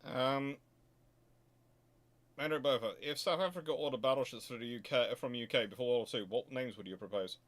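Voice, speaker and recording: A man's voice: mid-range voice, brisk. Rambling man thinking aloud. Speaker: host answering viewer questions. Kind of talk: casual off-the-cuff question-and-answer commentary.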